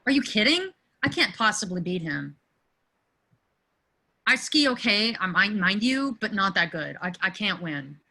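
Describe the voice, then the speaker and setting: A woman's voice: mid-range voice, big pitch swings, a little slow, bright, forceful tone, full character voice. A woman playing a hapless, self-deprecating teenage boy in an amateur script read over a video call. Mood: self-deprecating, awkward.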